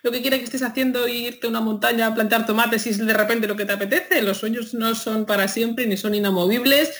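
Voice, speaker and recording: A woman from Spain with a Madrid accent, a guest chatting in an interview and telling stories with lively emphasis and frequent laughter. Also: a little high, quick pace. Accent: Spanish, Madrid. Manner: animated storytelling, laughs often, emphatic. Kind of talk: casual interview chat.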